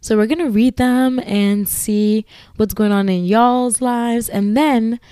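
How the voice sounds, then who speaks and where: A woman's voice: a little high, fairly even intonation, slow pace, warm tone, clear, resonant tone, no room sound, studio quality. A woman with a Ghanaian accent hosting her own podcast solo, chatting in a rambling, giggly way with asides. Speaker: podcast host. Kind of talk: casual solo podcast chat.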